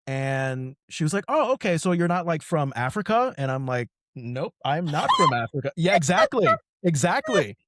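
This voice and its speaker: A man hosting a podcast, from Connecticut, telling stories in lively, casual conversation with frequent restarts. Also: fairly high pitch, moderate pace, hardly any pauses, heavy background noise. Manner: animated storytelling, frequent restarts. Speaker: podcast host.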